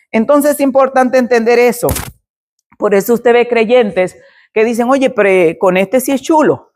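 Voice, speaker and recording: A woman's voice: medium pitch, a little mellow. Middle-aged woman pastor, mid-range voice, sermon testimony told dramatically, plays out the dialogue herself. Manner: dramatic storytelling, acts out quoted dialogue.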